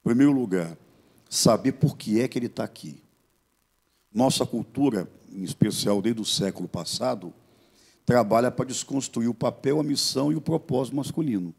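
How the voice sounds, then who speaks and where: A middle-aged man with a Brazilian accent, a pastor giving his testimony on a gospel TV show. He speaks in an earnest, measured preaching tone. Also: mid-range voice, expressive, vocal fry, darkish tone, slightly rough. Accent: Brazilian Portuguese.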